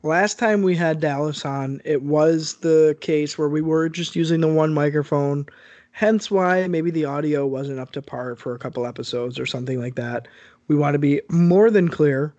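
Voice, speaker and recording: Stuffy-nosed man, higher voice, dry sound. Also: normal speed, darkish tone, no echo, lo-fi sound. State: congested with a sore throat. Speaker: podcast co-host. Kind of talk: casual chat. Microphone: own microphone over an internet call.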